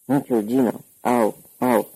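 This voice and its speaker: A man's voice: mid-range voice, fairly even intonation, warm tone, slightly rough, lightly acted, low-quality recording. A man voicing a cautious young man pretending to be someone else, speaking hesitantly. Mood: feigned. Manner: hesitant, feigning.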